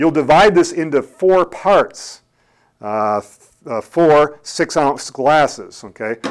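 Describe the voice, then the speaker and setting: A man with a fairly high pitch speaks with lively intonation. His loudness swings widely. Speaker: health show host. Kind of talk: tutorial. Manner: fast.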